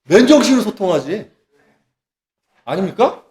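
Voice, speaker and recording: Brief: male religious speaker, high lively voice, sarcastic rant. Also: moderate pace. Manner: sarcastic, mocking, animated. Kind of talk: ranting religious monologue.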